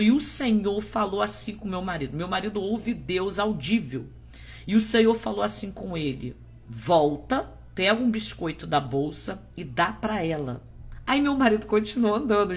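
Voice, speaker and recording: A Brazilian woman missionary gives a live-streamed testimony, preaching with fervour and turning often to her viewers. Her voice is husky and a little breathy, at a middling pitch. She sounds like she is on a phone or webcam mic at home. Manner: fervent preaching, rising to urgent exhortation; talks directly to viewers with frequent "né?" and "gente". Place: at home, livestream.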